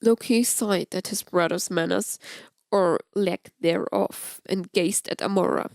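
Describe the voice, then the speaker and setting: A woman's voice: lowish voice, fairly even intonation, measured pace, creaky, darkish tone, no room sound. Woman narrating a story, dry recording. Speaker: audiobook narrator. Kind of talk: scripted story narration of fan fiction.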